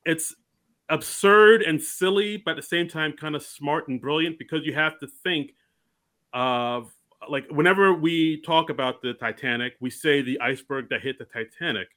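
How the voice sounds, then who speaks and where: Male podcast co-host, bright and slightly high voice, eager and chatty. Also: normal speed. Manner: enthusiastic, laughing, frequent restarts. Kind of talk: casual comedy discussion.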